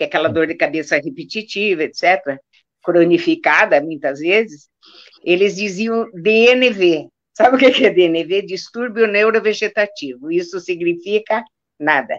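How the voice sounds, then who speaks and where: Using a plain, everyday voice, a woman at a medium pitch speaks at a moderate pace with lively intonation. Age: 60s. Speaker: psychotherapist. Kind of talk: interview.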